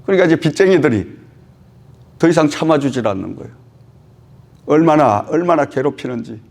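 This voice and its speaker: Impassioned Korean pastor telling a story. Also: male voice, a little high, animated, brisk, vocal fry, a little mellow. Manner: storytelling with frequent rhetorical "응?" and emotional swells. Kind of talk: sermon.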